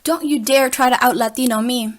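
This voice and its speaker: Woman as a grandstanding, higher-voiced senator. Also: fairly quick, crowd noise, background noise, lightly acted. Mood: combative. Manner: emphatic, oratorical, slogan-like delivery. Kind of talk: staged reader's theater political satire.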